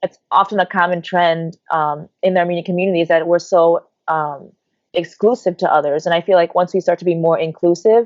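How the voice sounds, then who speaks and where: A woman speaks at a fairly quick pace in an unremarkable speaking voice, her pitch fairly low. Her intonation stays fairly even and her loudness very even. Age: young. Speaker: panelist. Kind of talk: panel discussion.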